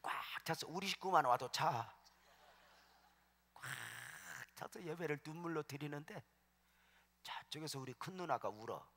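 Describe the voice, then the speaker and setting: Man, middle-aged pastor, bright forceful voice, storytelling sermon, loud bursts and whispers. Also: fairly high pitch, expressive, a little slow, gravelly, long pauses, husky. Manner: storytelling, swings from hushed asides to loud shouting. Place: large church sanctuary.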